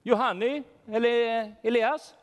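Leading a children's talk in church, a man with a very high-pitched voice role-plays a worried shepherd hunting for his lost sheep. Playful and animated, he asks the kids questions, gets them to help search, and calls out names.

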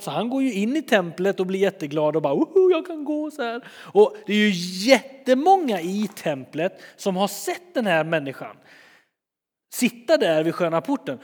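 A man preaching a sermon in a lively, chatty way, retelling stories and acting out scenes. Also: sits high, long reverb tail. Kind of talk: sermon, storytelling.

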